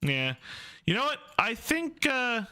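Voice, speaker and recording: A man hosting a casual live stream, talking in a slow, unhurried way. His voice is bright, crisp and a touch higher than usual for a man. He hedges constantly, filling gaps with "like" and "uh". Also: huge pitch swings. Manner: hesitant, filler-heavy, self-deprecating laughs. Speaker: streamer and game developer.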